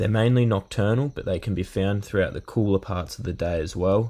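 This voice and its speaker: A man with an Australian accent, a very deep, low pitch and a dark, mellow tone. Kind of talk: outdoor vlog narration. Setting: outdoors. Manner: casual. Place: open country. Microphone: phone near.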